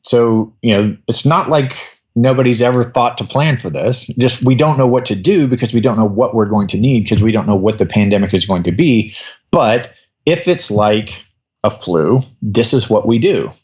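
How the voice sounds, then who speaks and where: A man's voice: mid-range voice, moderate pace, muffled recording. A man in his fifties explaining at length in a podcast interview, rambling with many restarts. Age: 50s. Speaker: guest doctor.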